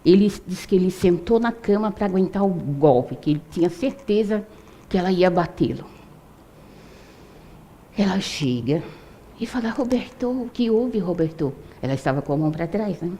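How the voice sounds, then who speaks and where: A woman's voice: fairly low pitch, animated, moderate pace, pauses often, warm tone. An older woman telling a true story to an audience in a conversational way, with frequent tag questions.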